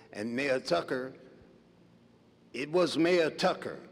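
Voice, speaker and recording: Ordinary pitch variation marks the speech of a man with an American accent. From St. Louis, Missouri. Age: 80s+. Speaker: public commenter. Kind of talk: testimony. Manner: halting.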